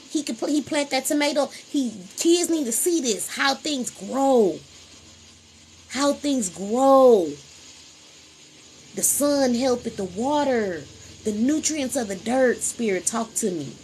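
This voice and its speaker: A woman's voice: high voice, slight background noise, low-quality recording. A woman hosting a casual spiritual livestream, talking in a preachy, repetitive, emphatic way into a phone.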